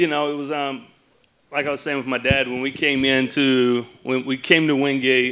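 Over a quiet background, a man with a North Carolina accent speaks at a moderate pace and medium pitch, his tone bright and sharp and his intonation monotone and flat. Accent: US South, North Carolina. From Pembroke, North Carolina. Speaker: former pro football player. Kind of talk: onstage interview. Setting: stage with audience. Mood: warm, honored, reminiscing. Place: hall. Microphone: handheld.

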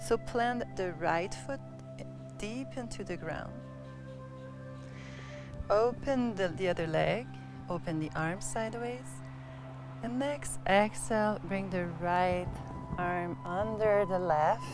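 A woman in a Quebec accent with a very deep, low pitch, very wide pitch swings and a calm tone, a very slow pace with long, frequent pauses, dry sound with no echo, and clear music in the background. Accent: French Canadian (Quebec). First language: French. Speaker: yoga teacher. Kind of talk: guided yoga class instruction. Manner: slow, calm. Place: garden.

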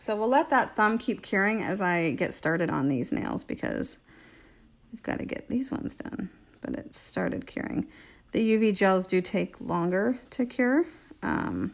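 With an American accent, a woman talks at a moderate pace in a medium pitch, her voice showing vocal fry and very wide pitch swings. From Las Vegas, Nevada, US. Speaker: nail technician. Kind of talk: tutorial.

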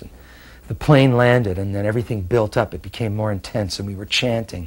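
A man's somewhat breathy voice, very fast, with ordinary pitch variation. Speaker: interviewee. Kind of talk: interview answer. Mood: emotional, joyful recollection. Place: studio. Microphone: lapel.

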